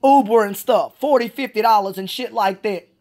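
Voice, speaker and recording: A woman's voice: mid-range voice, normal speed, dark tone. Frustrated woman venting. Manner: frustrated, repetitive, profane ranting. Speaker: Special Olympics athlete. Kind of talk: venting vlog monologue.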